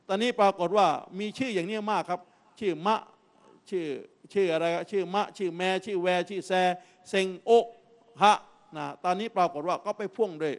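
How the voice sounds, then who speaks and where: Emphatic high-voiced man, political talk. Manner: emphatic, lecturing with frequent particles. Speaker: political guest speaker.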